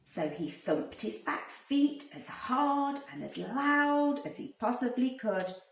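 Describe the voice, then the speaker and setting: A woman narrates a children's storybook in an expressive, deliberate manner. Her pitch moves up and down a lot and her pace is slow. She is a little away from the microphone in a reverberant room. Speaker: primary school teacher reading aloud. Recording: roomy, distant microphone.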